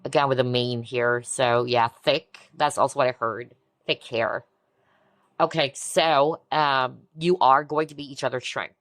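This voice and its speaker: A woman giving a collective tarot reading in a soft, reassuring way, often breaking into amazed exclamations. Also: very deep voice, fairly even intonation, unhurried, no echo. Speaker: tarot reader. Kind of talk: pick-a-card tarot reading.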